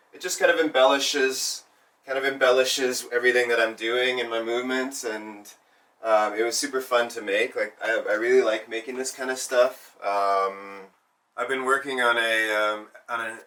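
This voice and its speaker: A man's voice: mid-range voice, fairly even intonation, normal speed, sharp tone, recorded from a distance. A man born in Zambia who works as a burlesque and cabaret performer, speaking reflectively in a documentary interview and often restarting his sentences as he searches for words.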